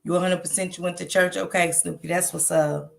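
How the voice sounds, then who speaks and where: A woman's voice: lowish voice, steady tone, fairly quick, gravelly. Stuffy-nosed woman chatting to viewers. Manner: chatty, talks straight to viewers, lots of ums. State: stuffy nose. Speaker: true crime commentary host. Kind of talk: casual livestream commentary.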